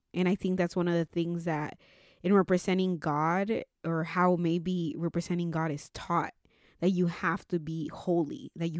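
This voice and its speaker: A plain, everyday voice at a moderate pace with fairly even intonation. The recording is very clean, with a silent background and a dry, close sound with no echo. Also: woman. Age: 20s. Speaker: podcast host, church youth. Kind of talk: casual faith discussion.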